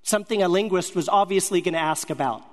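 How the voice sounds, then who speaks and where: Telling his ministry testimony in sermon form, a man speaks from the pulpit in a strikingly high voice. His delivery is sincere and measured, breaking into short fragmented phrases that echo with the lengthy reverb of a big hall.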